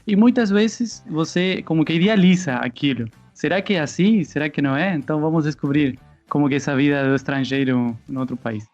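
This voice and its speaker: A man's voice: a little high, brisk, hardly any pauses, a little mellow, dull audio, faint music behind. An Argentine man, a native Spanish speaker with an Argentine accent, chatting casually as a podcast co-host and searching for words.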